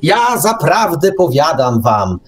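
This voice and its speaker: An older man debates casually on a radio show, ironic and argumentative. His voice is slightly high and swings widely in pitch. There is faint noise behind him. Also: sing-song, slow pace. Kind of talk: casual discussion.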